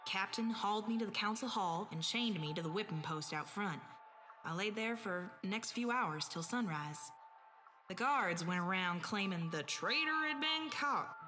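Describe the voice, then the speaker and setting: A woman's voice: medium pitch, expressive, moderate pace, sharp tone, faint music behind. An actress playing a spirited, stubborn young village girl in an audio drama, plain-spoken, with rustic turns of phrase. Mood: somber recollection.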